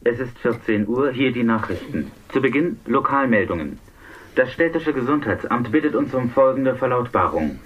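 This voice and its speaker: A man's voice: mid-range voice, moderate pace, natural voice. Dull, distant recording of an actor as formal newsreader man. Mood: deadpan, official. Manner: formal, official, deadpan. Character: earnest male radio newsreader reading absurd health bulletins. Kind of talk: scripted children's audio drama news bulletin. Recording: dull, noisy old radio-play clip, distant.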